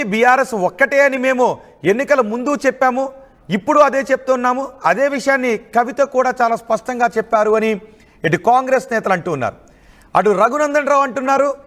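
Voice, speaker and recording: A woman anchoring live news, presenting developments and putting questions to a reporter. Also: fairly high pitch.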